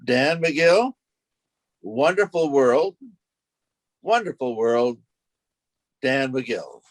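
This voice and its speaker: Slow, animated male master of ceremonies. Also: medium pitch. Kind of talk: formal speaker introduction.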